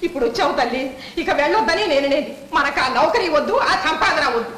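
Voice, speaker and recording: A woman's voice: high-pitched, animated, fast, a bit bright. An actress playing an anguished, scolding mother of a poor family in a film drama, nagging and wailing emphatically. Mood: pleading. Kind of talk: Telugu film drama acting. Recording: echoey old film soundtrack, faint noise.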